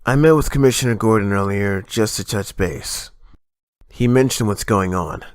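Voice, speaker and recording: An actor playing a frank young crime-fighter in a comic-book audio drama, conversational and wry. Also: male voice, on the low side, normal speed, clear, resonant tone, dry recording, studio quality, close to an everyday voice. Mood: probing, casual.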